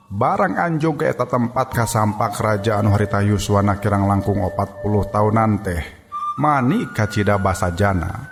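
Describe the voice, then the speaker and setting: Low-voiced male storyteller. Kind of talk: traditional oral storytelling. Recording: reverberant with background music.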